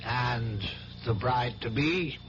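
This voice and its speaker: An actor playing a fatherly Catholic priest in a 1970s radio drama, measured, probing and gently skeptical. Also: medium pitch, over music, close to an everyday voice. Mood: welcoming. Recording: dull, noisy 1970s radio recording.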